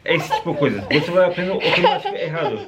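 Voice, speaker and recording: Turkish man speaking halting non-native Portuguese. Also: high voice, wildly swooping pitch, a loud crowd. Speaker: co-host. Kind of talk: casual chat.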